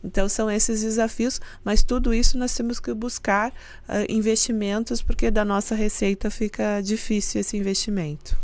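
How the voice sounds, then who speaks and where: A woman's voice: mid-range voice, little pitch movement, normal speed. A middle-aged woman, a university rector answering interview questions earnestly and explaining at length. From Santa Catarina, Brazil. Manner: earnest and explanatory, with soft laughs. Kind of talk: casual interview talk.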